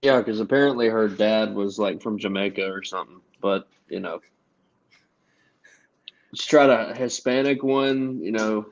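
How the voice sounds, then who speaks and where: A man's voice: fairly low pitch, measured pace. A man from the US South co-hosting a casual political podcast. He talks loosely and leans heavily on "like" and "you know.". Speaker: podcast co-host. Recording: dull lo-fi recording.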